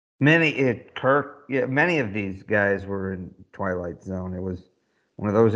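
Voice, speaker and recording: An ordinary speaking voice with an American accent has lively intonation at a moderate pace. The background is quiet. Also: man. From Upstate New York (Utica). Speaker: podcast co-host, military veteran. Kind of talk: casual chat.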